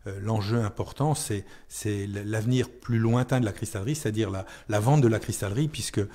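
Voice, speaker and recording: A man's voice: fairly low pitch, brisk, mellow. A man speaking as a town mayor in an unscripted radio interview, hesitating and repeating words as he searches for phrasing.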